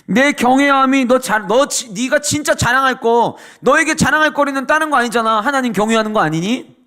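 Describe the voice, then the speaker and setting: A pastor acting out a reproachful older male friend who lectures with sarcastic questions. The man's voice is high. He scolds in quick rhetorical jabs. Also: lively intonation, fairly bright tone.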